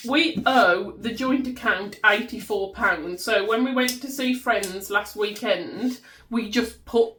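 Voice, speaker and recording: A woman's voice: medium pitch, rough recording. A woman in her thirties with a Black Country accent, chatting casually and counting banknotes aloud at her desk at home. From West Midlands, England. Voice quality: loud voice. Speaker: budgeting vlogger. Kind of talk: casual chat while counting cash.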